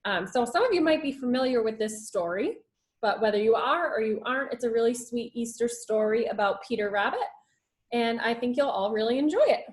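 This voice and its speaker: Female schoolteacher for a children's read-aloud: fairly high, animated, expressive, with chatty asides. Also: fairly quick. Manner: expressive, with asides about the pictures. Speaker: schoolteacher reading to her class.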